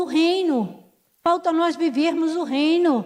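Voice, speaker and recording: Fairly slow speech from a woman with an extremely high pitch and ordinary pitch variation. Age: 60s. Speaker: pastor. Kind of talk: sermon. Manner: animated.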